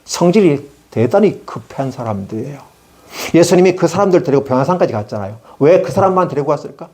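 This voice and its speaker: A middle-aged male preacher gives a sermon at a prayer retreat, telling lively stories and frequently asking the congregation questions. His voice is on the high side and fast.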